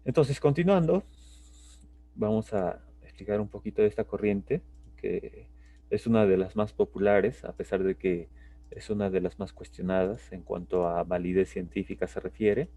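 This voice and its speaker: A man's voice: lowish voice, moderate pace, mellow, far from the mic. A man teaching psychology in a live online class, explaining step by step and checking in with tag questions.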